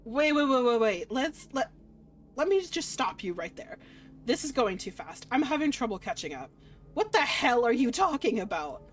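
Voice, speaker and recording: A woman's voice: fairly high pitch, very animated, normal speed, slight background noise. A woman voicing a wary human protagonist in a visual novel, indignant, questioning and sarcastic. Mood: indignant, confused. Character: wary, defiant, sarcastic human trapped in Limbo.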